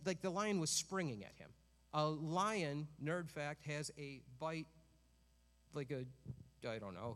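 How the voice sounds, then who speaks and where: A fairly high-voiced man preaching to a congregation, his words trailing off into a long hall reverb. He slips between relaxed, joking asides and loud, emphatic peaks. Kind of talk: sermon.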